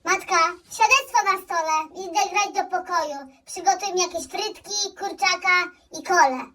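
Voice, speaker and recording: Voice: extremely high pitch, moderate pace, pushed and bright, distant mic. A performer playing a spoiled teenage boy in a comedy sketch who bosses his mother around and answers rudely. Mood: bossy. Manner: dismissive, bossy, crude. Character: spoiled rude teenage boy gamer, dismissive and bossy. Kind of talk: comedy sketch role-play.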